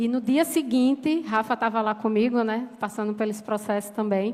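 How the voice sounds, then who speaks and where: Her pitch is fairly high. This woman keeps her intonation fairly even. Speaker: university lecturer giving church testimony. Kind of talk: testimony. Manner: fast.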